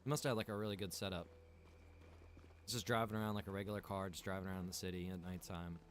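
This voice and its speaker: A man's voice: sits low, quick pace, a little hiss or hum. A man streaming a survival game, chatting casually and rambling to his viewers while he plays. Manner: relaxed, rambling, greets chat viewers by name.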